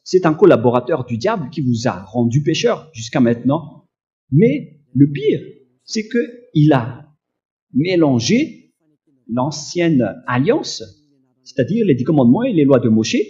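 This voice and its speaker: This is a sermon teaching from a male preacher whose tone is dark and mellow, with wide pitch swings and a slow, emphatic delivery. Frequent hesitations and a slight cough come through on a dull, lo-fi recording.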